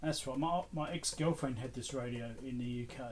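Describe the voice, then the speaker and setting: A man's voice: mid-range voice, brisk, a little mellow. A middle-aged man talking casually off the cuff, musing to himself like a vlog host as he goes through items. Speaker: host of an electronics repair channel.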